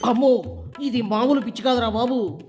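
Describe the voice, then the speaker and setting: A man's voice: extremely high pitch, normal speed. A man hosting a satirical comedy segment, teasing in a sing-song way. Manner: teasing, sing-song, keeps tacking on a fond "babu". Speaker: satirical show host. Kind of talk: mocking comedy commentary. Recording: dull lo-fi voice-over with background music.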